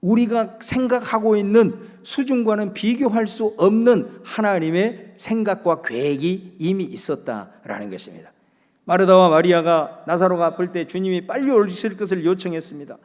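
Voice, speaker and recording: A male pastor delivering a dramatic sermon, swinging between loud proclamation and hushed, quiet speech. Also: sits high, normal speed, in a large hall.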